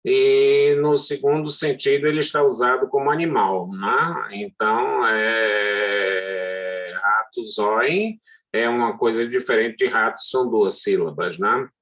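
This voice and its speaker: Male law lecturer, middle-aged, unhurried and halting, mid-pitched. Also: fairly bright tone. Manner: slow, hesitant, many drawn-out fillers. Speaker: law professor. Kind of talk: university lecture.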